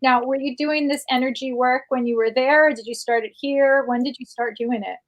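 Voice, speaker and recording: High-voiced woman podcast host. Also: fairly even intonation, brisk, low-quality recording. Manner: friendly, encouraging questions. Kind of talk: casual interview.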